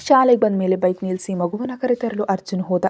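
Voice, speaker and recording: A woman's voice: medium pitch, fast, darkish tone, dry recording. A woman reading a romantic family story aloud as a storyteller, voicing the characters' lines in her own narrating voice.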